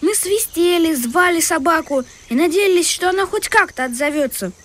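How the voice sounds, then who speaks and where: A woman narrating a children's audio tale in the first person, in a brisk storytelling manner. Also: very high-pitched, animated, a bit bright. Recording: music bed under the voice.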